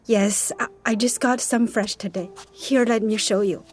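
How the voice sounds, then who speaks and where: A woman's voice: on the high side, steady tone, moderate pace, close to an everyday voice. A woman acting as a protective, evasive middle-aged aunt who runs a flower shop, blunt and teasing in clipped phrases, in an audio drama. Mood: businesslike.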